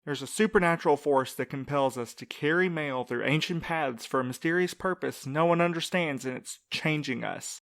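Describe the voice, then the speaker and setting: A man's voice: on the high side, normal speed, creaky, few pauses, a bit bright. A man playing a wry, sardonic mail courier in an audio drama, with a dry, wordy, sarcastic delivery. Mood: earnest.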